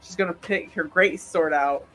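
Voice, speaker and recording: Guy playing a tabletop rpg, higher voice, halting casual chat, faint music behind. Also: pushed and bright. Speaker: player in tabletop game.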